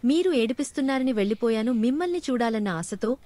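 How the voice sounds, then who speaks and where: A woman's voice: a little high, lively intonation, quick pace, mellow, close to an everyday voice. A woman voicing a hurt but loving young black duck in a storybook fable, speaking earnestly. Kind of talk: storybook dialogue.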